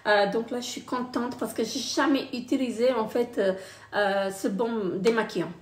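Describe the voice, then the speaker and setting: A woman's voice: on the high side, steady tone, normal speed, recorded from a distance. A woman casually unboxing beauty products, often hesitating and reading the product descriptions aloud. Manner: hesitant, many fillers, reads product blurbs aloud. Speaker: beauty box unboxing vlogger. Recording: roomy, a bit off-mic.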